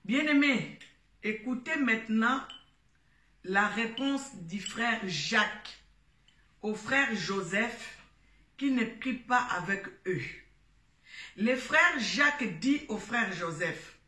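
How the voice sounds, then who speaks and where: Slow, bright-voiced woman host in an echoey room. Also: fairly high pitch, lively intonation. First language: Lingala. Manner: hesitant, with frequent fillers and restarts. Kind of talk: addressing listeners as a churchgoing sister, retelling a story. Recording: roomy echo, distant mic.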